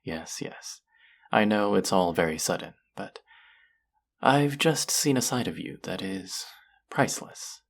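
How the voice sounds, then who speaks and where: In an audio drama, a performer voices a cruel, covetous alien collector-artist who fakes kindness toward a captive, cooing condescendingly and savoring each slow word, often sinking to a whisper. The voice sits low, with vocal fry, and is expressive and heavily acted. It's a dramatic second-person roleplay monologue, coaxing and possessive in mood.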